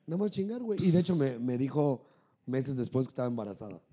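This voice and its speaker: A man's voice: mid-range voice, quick pace. A young man with a Mexican Spanish accent, telling personal stories in a casual podcast chat and acting out other people's lines. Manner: animated storyteller who acts out voices.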